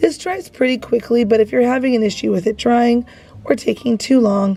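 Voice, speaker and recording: A woman's somewhat breathy, dark and mellow voice, fairly high in pitch, with ordinary pitch variation. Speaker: DIY craft youtuber. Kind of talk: tutorial.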